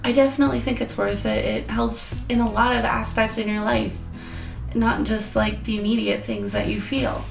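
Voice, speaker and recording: Young woman vlogger, hoarse and gravelly, earnest chatty review over guitar backing. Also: a little high, lively intonation, moderate pace. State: losing her voice. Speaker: app reviewer. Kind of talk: casual review vlog. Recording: echoey room with guitar music.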